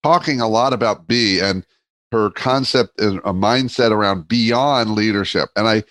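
A man's voice: lowish voice, normal speed, a bit bright, dry recording. A man, hosting a podcast and introducing the show and its guest. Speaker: podcast host.

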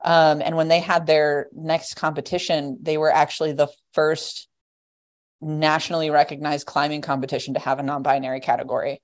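Guest, young adult, low voice, loose rambling delivery full of filler words. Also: female voice, level tone, normal speed. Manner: rambling, heavy use of "like" and "you know". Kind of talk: casual podcast conversation.

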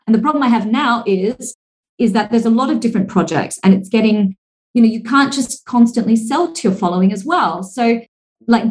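A woman in her thirties from Singapore, talking at length as a guest in a casual podcast interview, fluent and energetic with many "like" and "you know" fillers. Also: mid-range voice, poor audio. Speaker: podcast guest, speaker and author.

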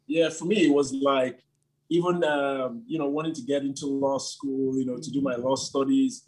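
Man, husky voice, church leader, chatty storytelling with fillers. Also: mid-range voice, normal speed, low-quality recording. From Nigeria. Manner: animated storytelling with frequent fillers. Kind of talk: casual interview talk.

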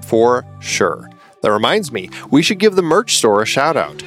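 A man's voice: mid-range voice, big pitch swings, unhurried, fairly bright tone, soft background music. A man co-hosting a film podcast, bantering through a scripted sponsor and merch spot in a mock-sarcastic way. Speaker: podcast host. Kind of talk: scripted ad read.

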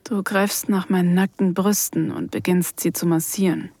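Erotic audio drama lead: a vulnerable, shy mature woman, soft, lowish, breathy, often whispering. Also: steady tone, normal speed, no room sound. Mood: sensual. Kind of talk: intimate first-person erotic audio drama narration.

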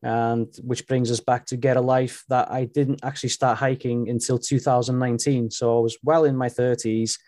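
A Welsh man in his late thirties, a native Welsh speaker chatting casually as a podcast guest, friendly and quick to laugh. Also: mid-range voice, level tone, darkish tone, no echo. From Wales. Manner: friendly, laughs often, restarts words. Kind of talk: casual interview chat. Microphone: remote call.

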